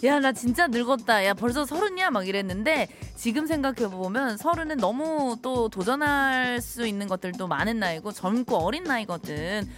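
A woman's voice: a little high, expressive, moderate pace, few pauses, fairly bright tone, faint music behind. A woman in her thirties hosting a live radio show, chatting and teasing her listeners as she reads their messages. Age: 30s.

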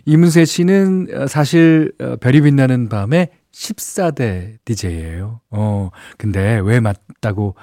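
A man's voice: medium pitch, expressive, measured pace, hardly any pauses, mellow, no room sound. A middle-aged man hosting a radio show, chatting casually and chuckling as he reads listener messages. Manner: chatty, chuckles often, many fillers. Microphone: studio microphone. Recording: dry studio sound.

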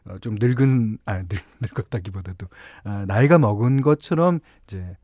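A man hosting a radio show, reading listener stories and chatting in a relaxed way, chuckling often. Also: fairly low pitch, moderate pace, no room sound, studio quality. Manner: relaxed, chuckling, many fillers. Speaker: radio DJ host. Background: soft guitar music.

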